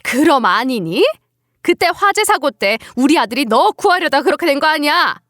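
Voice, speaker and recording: A woman's voice: high voice, big pitch swings, moderate pace, fairly bright tone, dry recording, clean studio sound, pitched above the performer's own voice. A woman voicing a scornful older woman doctor who scolds and belittles her daughter-in-law in a dramatized story reading. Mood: outraged. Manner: sneering, scolding, contemptuous.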